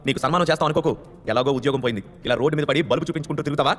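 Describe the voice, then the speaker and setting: A man voicing a haughty, angry, wealthy middle-aged mother who scolds loudly. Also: medium pitch, rapid-fire, big-room sound, natural voice. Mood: furious. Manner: scolding, scornful, loud.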